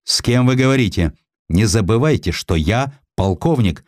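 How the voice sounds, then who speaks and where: A man's voice: on the low side, animated, moderate pace, darkish tone, no echo, clean studio sound, pitched above the performer's own voice, natural voice. Man acting a scolding, pedantic old-school editor. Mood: indignant. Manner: indignant, scolding, exacting. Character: dry, pedantic, tight-fisted male magazine editor and colonel.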